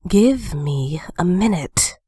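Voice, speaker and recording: Woman as a low-voiced, cool ninja. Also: lively intonation, slow, mellow, breathy edge, no room sound, heavily acted. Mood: focused. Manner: curt, dry. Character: cool, unimpressed female ninja operative. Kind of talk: amateur audio drama acting.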